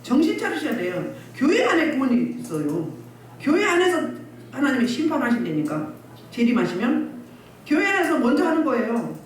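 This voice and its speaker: Woman pastor, scolding sermon style; animated delivery, distant roomy recording with faint hiss. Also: a little high. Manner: scolding, exhorting, rhetorical questions. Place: church hall. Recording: echoey distant church recording, faint noise.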